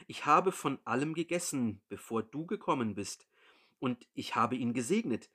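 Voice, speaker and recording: A man's voice: mid-range voice, animated, moderate pace, pushed and bright, husky. A man reading as a solemn old blind father. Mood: grave. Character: old blind father blessing his sons.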